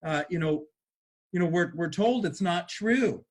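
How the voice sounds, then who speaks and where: A man's voice: high voice, animated, measured pace. A man hosting an interview, enthusiastic and affirming toward his guest. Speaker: interview host. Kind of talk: casual interview talk.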